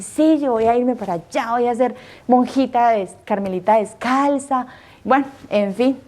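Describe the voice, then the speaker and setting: A woman's voice: medium pitch, a little mellow. A woman in her thirties from Colombia, a nun telling her personal vocation testimony with earnest emotion, acting out her own past words.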